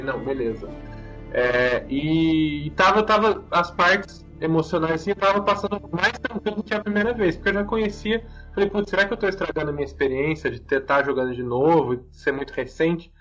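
High-pitched guy telling a story, super expressive, repeats stuff, muffled audio. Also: fairly quick, soft background music. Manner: animated, expressive, repetitive. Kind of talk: casual storytelling.

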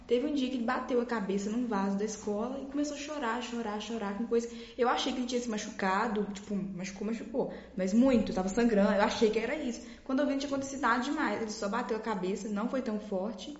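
A woman's voice: fairly high pitch, quick pace, few pauses. A young woman with a Brazilian Portuguese accent, co-hosting a podcast and chatting through a personal anecdote. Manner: chatty, telling anecdotes with fillers. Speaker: podcast co-host. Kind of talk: casual podcast chat. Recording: dull, roomy lo-fi recording.

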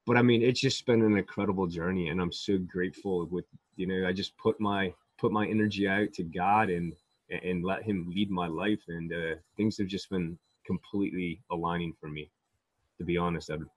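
Husky low-voiced man, eager and rambling. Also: fairly even intonation, moderate pace, dry recording. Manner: enthusiastic, rambling with many restarts. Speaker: actor guest. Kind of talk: casual interview talk.

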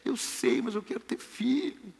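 A man's voice: extremely high pitch, big pitch swings, unhurried, vocal fry, darkish tone, big-room sound, pitched above the performer's own voice, full character voice. Man doing a pleading childless woman.

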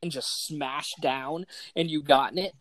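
A man hosting a casual gaming podcast, talking excitedly and enthusiastically in loose slang. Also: fairly high pitch, a little slow, no room sound. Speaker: podcast host.

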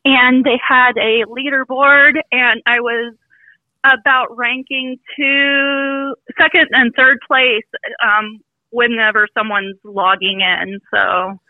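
A woman's voice: a little high, level tone, takes it slowly, no room sound. A woman calling in over the phone, chatting casually and laughing easily. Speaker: caller. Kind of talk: casual chat. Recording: tinny phone line.

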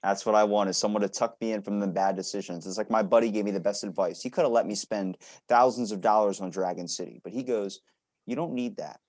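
A man's voice: fairly low pitch, fast, a little mellow. A man hosting a podcast, chatting casually in a joking way with some casual swearing. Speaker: podcast host.

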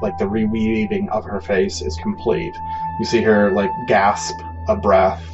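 A man running a tabletop game as game master, improvising narration in halting, repetitive phrases. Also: lowish voice, level tone, dull audio, over music.

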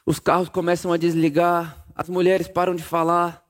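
A man preaching a sermon, telling the story dramatically, dropping to a hush and rising again as he acts out scenes. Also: fairly high pitch, monotone, normal speed. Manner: dramatic storytelling, acting out scenes with hushed and raised voice.

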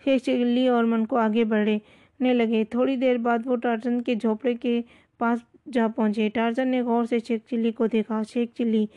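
A woman storyteller giving a steady, even scripted storybook narration. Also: fairly high pitch. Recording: dull lo-fi recording.

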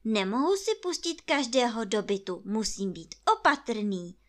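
A woman's voice: a little high, big pitch swings. A woman voicing a cautious, fussy little rabbit with a prim, polite manner in a storybook reading.

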